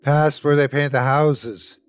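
A man's voice: fairly high pitch, fairly even intonation, takes it slowly, clean tone, no echo, pitched above the performer's own voice. A man voicing a sickly, terrified, half-mad bearded man who pleads and chants in a storybook narration. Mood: frantic chanting. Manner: pleading, crying out, chanting repetitively.

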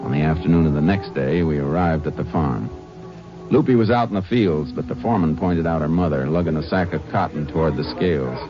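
A steady Texas Ranger narrating an old radio drama, deep-voiced and matter-of-fact. The broadcast is muffled, with music behind him. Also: male voice, fairly quick. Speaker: narrator and lead.

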